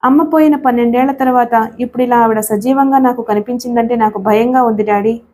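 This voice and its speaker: A woman's voice: on the high side, fairly even intonation, a little fast, a little mellow, natural voice. A woman voicing a young married woman who pleads tearfully and insists she is right, in a read-aloud story. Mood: tearful pleading.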